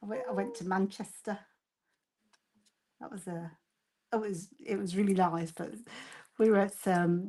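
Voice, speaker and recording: Long, frequent pauses and big swings in loudness mark this dark, mellow voice with a Birmingham accent, its intonation fairly even and its pace moderate. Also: woman, medium pitch for a woman. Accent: Brummie. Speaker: craft video host. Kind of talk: casual crafting demonstration chat. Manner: chatty, halting with fillers.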